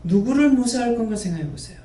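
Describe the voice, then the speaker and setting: A man's voice: extremely high pitch, expressive, fast talker, warm tone. A man who runs a prayer house, preaching a sermon and scolding his listeners with one rhetorical question after another. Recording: roomy echo, mic at a distance.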